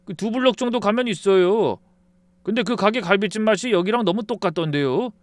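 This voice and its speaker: A man's voice: high voice, fairly quick, no echo, pitched above the performer's own voice, close to an everyday voice. A man voicing a chatty regular customer passing on gossip. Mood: curious. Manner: gossipy, curious.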